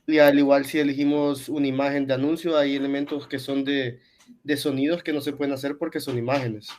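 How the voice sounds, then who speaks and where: A man's voice: mid-range voice, little pitch movement, brisk, darkish tone. A man, a student politely and hesitantly asking his teacher a question in class.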